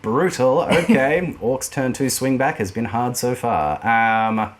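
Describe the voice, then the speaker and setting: A man, hosting and playing a tabletop wargame, excitable and quick to laugh. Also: medium pitch, over a noisy crowd. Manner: excitable, exclaims and laughs often. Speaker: wargame player and channel host. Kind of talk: casual tabletop game commentary.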